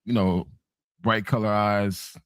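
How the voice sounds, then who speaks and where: A man's voice: on the low side, fairly even intonation, slow, a bit bright, clear, resonant tone, dry recording. A man from Haiti telling a story in a casual online panel chat, laughing as he goes.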